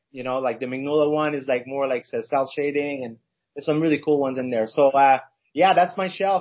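The voice carries a strong Quebec accent and ordinary pitch variation. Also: man. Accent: thick French Canadian. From Quebec, Canada. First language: French. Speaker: brand owner and collector guest. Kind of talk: casual interview chat.

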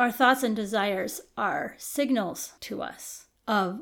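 Against a silent background on a very clean recording, this woman uses an ordinary speaking voice, pitched fairly high and with ordinary pitch variation. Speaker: podcast host. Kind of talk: casual conversational podcast chat.

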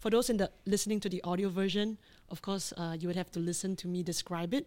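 Using an ordinary speaking voice, a woman speaks at medium pitch and a moderate pace with ordinary pitch variation. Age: 30s. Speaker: podcast host, scientist turned media entrepreneur. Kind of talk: interview.

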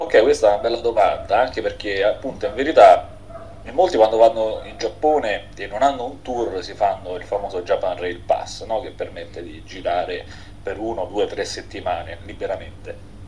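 Big swings in loudness over noticeable background noise. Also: man, moderate pace. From Rome, Italy. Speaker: YouTuber and expat office worker. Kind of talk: interview.

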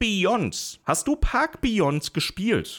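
A male voice, very clean recording, silent background. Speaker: strategy games podcast host and streamer. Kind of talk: casual chat. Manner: relaxed.

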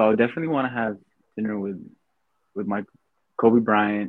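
Speaking with an American accent, a man has a fairly low pitch and ordinary pitch variation. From US, Los Angeles (Burbank, California). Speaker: college basketball player. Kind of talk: casual interview.

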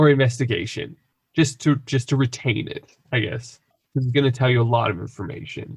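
The speaker is a man with a medium pitch. His voice is somewhat breathy, with ordinary pitch variation. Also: fairly quick pace. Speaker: game master of a tabletop roleplaying podcast. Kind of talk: casual chat with in-character narration. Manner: stumbling, repeats words.

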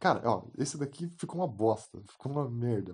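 Somewhat breathy and dark, mellow in tone, the voice moves at a moderate pace with very wide pitch swings. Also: man. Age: 20s. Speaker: podcast co-host, electrical engineer. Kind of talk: casual chat.

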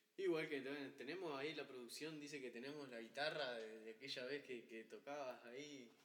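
Fairly high in pitch, a man speaks at a moderate pace. His intonation stays fairly even. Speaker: podcast host. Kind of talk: casual chat. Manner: talkative.

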